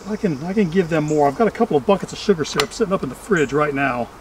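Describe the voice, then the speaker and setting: High-pitched middle-aged man, casual outdoor chatter. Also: expressive, rapid-fire, noisy background. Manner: chatty, dryly humorous. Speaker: beekeeper and vlog host. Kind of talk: casual running commentary while working. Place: outdoors among trees at beehives.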